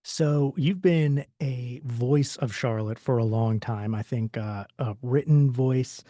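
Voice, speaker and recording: A male interviewer with a warm, mellow tone, recorded close and dry with no room sound. He asks long, winding questions and stops to rephrase himself mid-sentence. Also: mid-range voice, slow pace, no echo. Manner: wordy questions with restarts and self-corrections.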